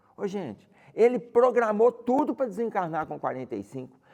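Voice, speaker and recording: With his pitch swinging very widely, a man talks at a moderate speed over a quiet background. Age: 60s. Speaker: spiritist study leader. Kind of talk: religious study talk. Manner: conversational, informal.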